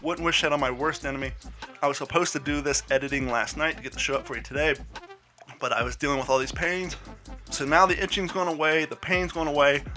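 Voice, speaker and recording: A man hosts his own podcast, rambling through a personal story in a chatty, self-deprecating solo monologue while stuffed up with a head cold. His voice is fairly high, steady, quick, pushed, and bright, recorded on a podcast mic with soft background music.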